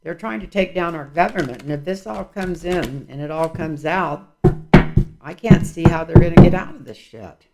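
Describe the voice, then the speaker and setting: A man's voice: a little high, moderate pace, over loud music. A man reading tarot cards in a casual vlog, rambling and musing aloud as he goes. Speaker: tarot reader.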